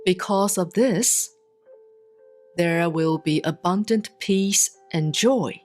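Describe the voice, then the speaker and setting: Slow, low-voiced woman reading scripture. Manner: measured, deliberate phrasing with pauses. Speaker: Buddhist monastic reading scripture. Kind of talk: solemn scripted sutra recitation, audiobook-like reading. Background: soft plucked guitar-like music.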